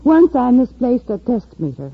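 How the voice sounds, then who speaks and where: A brave young radio heroine. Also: female voice, a little high, big pitch swings, moderate pace, vocal fry, husky, full character voice. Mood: earnest. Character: young woman factory worker and informant, brave. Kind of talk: 1950s radio drama acting. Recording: dull lo-fi old radio recording.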